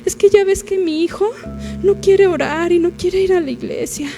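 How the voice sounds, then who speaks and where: Whiny churchgoer woman as a preacher plays her, Mexican accent, high pleading voice, drawn-out begging. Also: dark tone, faint music behind. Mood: whining. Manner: whining, drawn-out pleas.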